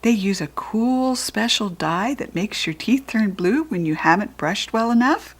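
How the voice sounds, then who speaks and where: A friendly young girl chats cheerfully and reassures others, as a woman reads her lines. Her voice is soft and a little breathy. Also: medium pitch, lively intonation, a little slow. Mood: reassuring.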